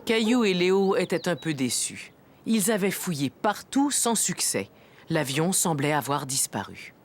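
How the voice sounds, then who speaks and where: A woman narrating a children's cartoon story in a gentle, expressive and clearly articulated storybook style. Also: on the low side, a little slow. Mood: sympathetic. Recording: music playing behind the voice.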